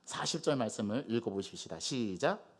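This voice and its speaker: A male pastor preaching a Sunday sermon in a church, animated and putting rhetorical questions to the congregation. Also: mid-range voice, moderate pace. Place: church sanctuary.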